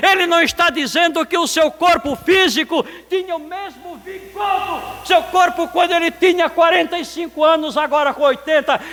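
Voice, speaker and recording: The speaker talks in an animated tone at a moderate pace with hardly any pauses. Noticeable background noise runs underneath. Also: man, extremely high pitch for a man. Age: 60s. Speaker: pastor. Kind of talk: sermon.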